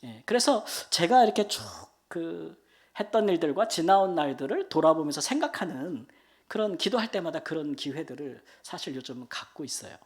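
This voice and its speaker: A speaker in their fifties giving an emotional, colloquial church testimony as a missionary, swinging between loud and soft, with many fillers. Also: mid-range voice. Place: church prayer meeting.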